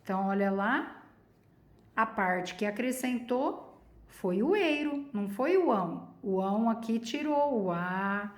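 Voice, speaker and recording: A woman's voice: medium pitch, lively intonation, measured pace, reverberant. A Brazilian woman teaching a primary school lesson, patiently asking questions and stretching key words. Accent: Brazilian Portuguese. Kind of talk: recorded lesson for children.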